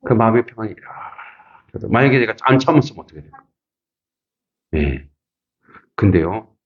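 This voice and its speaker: A middle-aged man preaching as a pastor, telling a personal story with lively acted-out quotes and frequent laughter. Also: fairly low pitch, brisk, slightly rough, phone-quality sound. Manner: animated, acts out quotes, laughs often. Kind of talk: sermon with storytelling.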